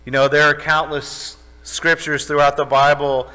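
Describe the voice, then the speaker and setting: Male pastor, conversational sermon storyteller who quizzes the congregation; slightly high, bright voice in a reverberant sanctuary. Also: level tone, normal speed, smooth. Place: church sanctuary. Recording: reverberant church hall.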